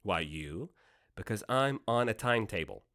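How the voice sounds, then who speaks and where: A man's voice: lowish voice, expressive, normal speed, fairly bright tone. A man playing a sly, sardonic devil-like tempter in a radio play, speechifying in a persuasive, mock-folksy way. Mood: coolly scheming. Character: sly, theatrical male devil-like deal maker, smooth tempter.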